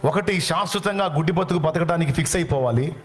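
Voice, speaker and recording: A man's voice: fairly high pitch, fast talker. A male pastor delivering a dramatic sermon, telling a story and putting questions to the audience. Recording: music playing behind.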